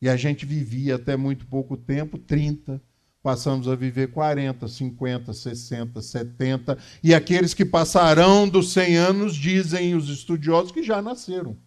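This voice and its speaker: This is a Brazilian man in his fifties with a somewhat high-pitched voice. He speaks as a lecturer on religious matters, in a didactic but conversational way. He tends to repeat key phrases for emphasis. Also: normal speed, a little mellow. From Minas Gerais, Brazil. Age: 50s. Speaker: lecturer at a Spiritist centre. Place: small meeting room, indoors.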